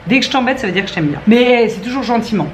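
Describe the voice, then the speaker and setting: A woman's voice: on the high side, lively intonation, very fast, slight background noise. Playful young French-speaking woman vlogging. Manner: chatty, playful, self-mocking. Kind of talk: casual vlog chat to camera. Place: at home indoors.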